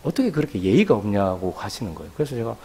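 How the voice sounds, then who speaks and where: Husky, animated Korean pastor preaching. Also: male voice, on the low side, quick pace. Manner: animated, acts out quoted voices. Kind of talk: sermon with storytelling.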